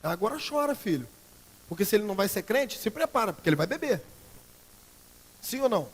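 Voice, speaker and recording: A Brazilian pastor preaching a sermon in a church, swinging between loud emphatic outbursts and quiet earnest passages. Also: male voice, sits high, very animated, a little fast, in a large hall. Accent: Brazilian Portuguese. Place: church sanctuary.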